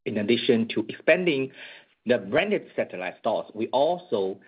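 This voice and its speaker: A man speaking as a company executive, reading prepared corporate remarks in a formal, measured way on an earnings conference call. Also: mid-range voice, big pitch swings, breathy edge. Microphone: conference call line. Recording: muffled narrowband conference phone line.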